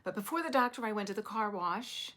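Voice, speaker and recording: A woman's voice: medium pitch, expressive, fairly quick, fairly bright tone. A woman hosting a knitting podcast from home, telling a rambling, casual story to camera and laughing often. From US East Coast.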